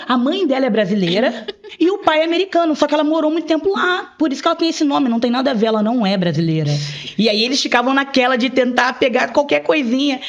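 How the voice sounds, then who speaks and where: A woman talks casually on a podcast and tells stories with energy. She acts out the voices of the people she quotes. Her voice sits a little high and the sound is dull and lo-fi. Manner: animated storyteller, acts out quoted dialogue. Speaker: bilingual program advisor.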